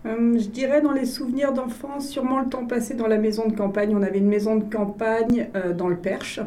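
A woman's voice: fairly high pitch, steady tone, a little fast, dark tone. A woman with a Parisian French accent, answering conversationally as an interview guest. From Paris, France. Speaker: interview guest, health services executive.

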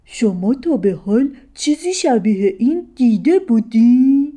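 A woman voicing a large, tired whale in a lower, strained voice. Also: sing-song, dark tone. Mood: weary. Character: big tired whale, struggling to breathe.

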